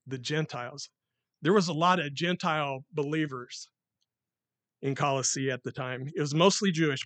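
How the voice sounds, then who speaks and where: A man preaching to a small congregation on a microphone, loud and excited, reading scripture with rising force. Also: medium pitch, dry recording. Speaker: lay preacher. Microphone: handheld or stand mic.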